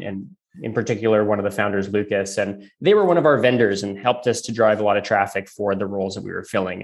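A man from Calgary, Canada, a guest on a podcast, answering in a friendly way with hesitant restarts. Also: on the low side. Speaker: guest, operations executive. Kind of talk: casual interview answers.

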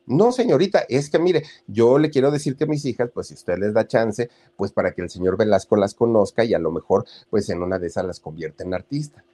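A man's voice: on the low side, brisk, hardly any pauses, warm tone, close to an everyday voice. A man with a Mexican accent voicing an eager, pleading middle-aged mother who insists on her daughters' talent.

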